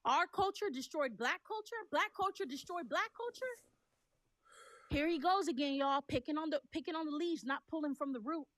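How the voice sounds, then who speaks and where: A woman's voice: high voice, expressive, normal speed, fairly bright tone. A woman arguing as a guest in a heated live debate, insistent, cutting across the host and tripping over repeated words.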